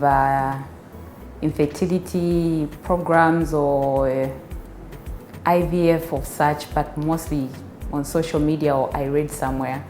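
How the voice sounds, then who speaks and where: A woman's voice: deep voice, dark tone. A Zambian woman, a biomedical scientist, giving a testimonial in a hesitant way with many fillers and restarts. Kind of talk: filmed testimonial interview. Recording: echoey room with faint music.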